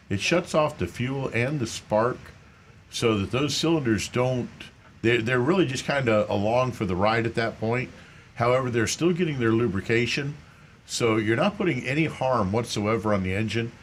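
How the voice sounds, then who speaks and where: Co-host: man, mid-pitched voice, relaxed explainer, studio with a faint hum behind him. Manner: easygoing explainer with repeated restarts. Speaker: car expert co-host. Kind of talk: radio call-in advice. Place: radio studio.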